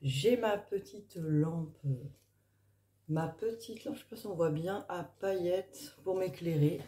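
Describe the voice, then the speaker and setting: Woman, mellow dark tone, morning voice, halting casual card-reading commentary, echoey room. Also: fairly low pitch, slight background noise. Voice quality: early-morning voice, which the speaker calls gruff. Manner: halting, thinking aloud with many trailing pauses. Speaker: tarot card reader and spiritual coach.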